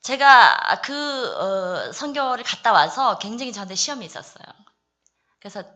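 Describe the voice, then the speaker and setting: A woman from the Daegu area giving an earnest church testimony, confiding and personal, with many soft fillers. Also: a little high, expressive, moderate pace. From Daegu, South Korea. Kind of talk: testimony at a prayer meeting.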